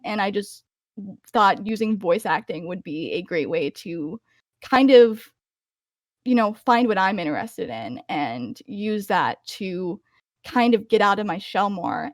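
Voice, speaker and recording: A woman's voice: no room sound, studio quality. A young woman voice actor answering interview questions casually, with many fillers and restarts. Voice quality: higher-pitched voice. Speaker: voice actor guest.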